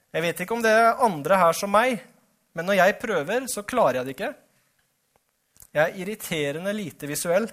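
A middle-aged male preacher with a high voice. He talks earnestly and straight to the people in front of him, now and then asking them questions. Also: a bit bright. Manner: earnest, addresses the congregation directly. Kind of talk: sermon.

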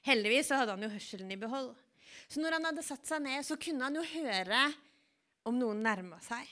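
A woman with a slightly high voice tells a Bible story as part of a sermon. She is a calm, vivid storyteller who paints each scene carefully for her listeners.

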